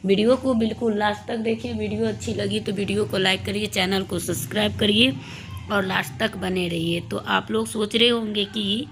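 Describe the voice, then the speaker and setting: A woman whose voice is hoarse from a cold, telling a devotional story to her viewers in a casual, rambling way. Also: mid-range voice, fairly even intonation, normal speed, fairly bright tone, slight background noise. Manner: rambling, with many restarts and fillers; addresses viewers as friends. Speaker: devotional YouTuber.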